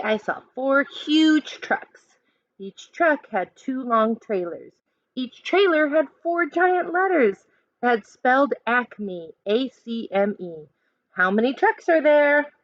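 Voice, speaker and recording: Animated, higher-voiced woman reading to children. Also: dry recording, muffled recording. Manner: expressive, questioning, coaching listeners along. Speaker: teacher reading a picture book aloud to children. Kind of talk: animated children's read-aloud with counting questions.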